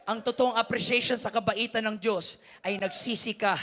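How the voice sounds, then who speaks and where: A man with a Filipino accent preaching a sermon as pastor, mixing Tagalog and English, moving from hushed storytelling to shouted preaching. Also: sits high, steady tone, normal speed.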